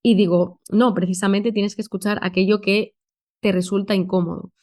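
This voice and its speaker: In a podcast interview, a Madrid-accented Spanish conference interpreter thinks through her answers, peppering them with fillers. She speaks at a moderate pace with a flat delivery, and her mid-range voice has a slightly mellow tone.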